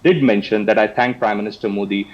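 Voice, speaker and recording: A man with an Indian accent giving live news analysis as a correspondent, with a halting, repetitive delivery. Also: on the low side, steady tone, lo-fi sound.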